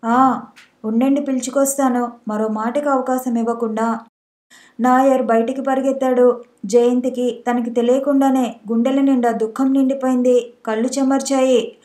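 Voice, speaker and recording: A woman's voice: sits high, flat delivery, moderate pace, mellow. A woman narrating a novel as an audiobook, reading steadily and evenly.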